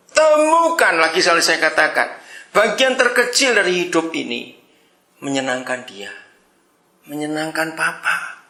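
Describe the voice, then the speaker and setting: A male pastor delivers a sermon in a lively, teasing manner, often laughing with the congregation. His voice sits high and bright and leaps around in pitch. The sound is roomy, as if recorded in an echoing church hall.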